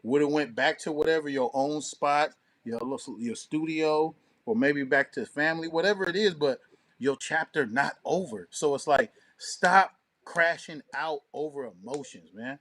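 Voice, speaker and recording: Higher-pitched man talking slangy, profane opinions. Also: unhurried, a bit bright. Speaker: talk show co-host. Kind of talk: casual opinionated discussion.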